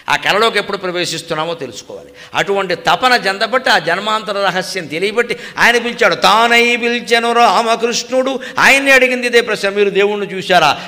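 A man's voice: high voice, sharp tone. Older Telugu man giving a devotional discourse. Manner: chants Sanskrit verses slowly in a sing-song. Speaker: spiritual speaker. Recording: long hall reverb.

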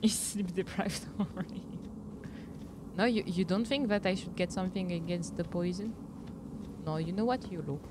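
Speaking at normal speed amid heavy background noise, a young VTuber from France chats casually with her audience as she plays. Giggles punctuate her French-accented banter, and her voice climbs when she's protesting.

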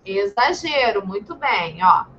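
A Brazilian woman teaching young children over a video call, patient and gentle, calling pupils sweet names. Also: medium pitch, very animated, slow pace, dull audio, crowd noise. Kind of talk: online class for young children.

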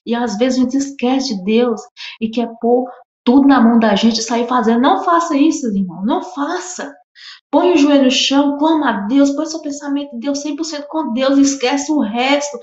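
A woman's voice: sits high, a little mellow, reverberant, lo-fi sound. A Brazilian woman with a Brazilian Portuguese accent giving a fervent, tearful religious testimony, crying as she talks, repeating herself. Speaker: testimony guest.

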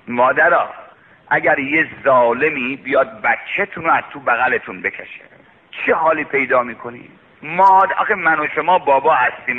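A man's voice: fairly high pitch, big-room sound. A man preaching an impassioned sermon, telling a story with strong emotion and calling out to the congregation. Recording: tinny lo-fi radio broadcast recording.

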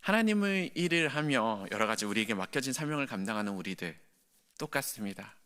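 Young-ish male preacher at a dawn church service; expressive, storytelling delivery with lots of pitch movement. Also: brisk, clear, resonant tone. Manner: storytelling, animated, acts out quotes. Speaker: junior pastor. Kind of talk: sermon. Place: church, early-morning prayer meeting.

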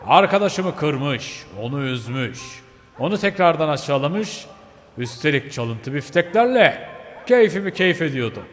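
A man's voice: on the high side, very animated, measured pace, a bit bright, big-room sound, soft background music. A man voicing a white pitbull dog who tells his story with regret, as game role-play narration. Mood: rueful.

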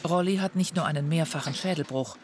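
A man narrating a crime documentary in a calm, factual, scripted manner. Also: a little high, fast, a little hiss or hum. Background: music under the voice.

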